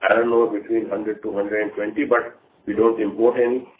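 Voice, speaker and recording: A man speaking as a company executive briefing investors on an earnings call, talking deliberately in short, halting phrases. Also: fairly low pitch, level tone. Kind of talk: earnings call management commentary. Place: conference call. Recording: tinny phone line with faint noise.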